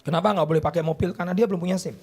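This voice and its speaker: A middle-aged male pastor preaching a sermon in church, mixing in English phrases and rising to shouts. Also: fairly high pitch, fairly even intonation, racing, creaky.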